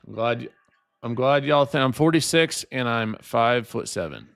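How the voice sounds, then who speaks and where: A man's voice: mid-range voice, moderate pace, creaky, a bit bright. Give me a man in his late twenties bantering with his stream viewers as he trades. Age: 20s. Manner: joking, teasing with chat, laughs often. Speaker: day trading streamer. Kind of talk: casual live-stream chat.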